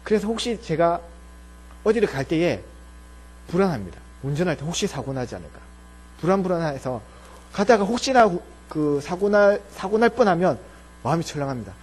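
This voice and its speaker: A male pastor preaching a Sunday sermon in a church, earnest, often dropping soft and low. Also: very animated, brisk, husky, low-quality recording. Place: church sanctuary.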